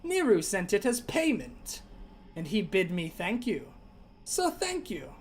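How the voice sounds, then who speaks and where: A man voicing a high-pitched game quest giver with a slow, formal, solemn delivery. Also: wildly swooping pitch, slight background noise, heavily acted.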